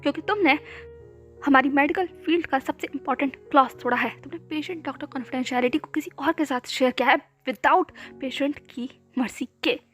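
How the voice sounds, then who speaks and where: A woman voicing an irritated young male doctor who speaks curtly and quietly. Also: very high-pitched, brisk, soft background music. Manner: curt, quietly annoyed.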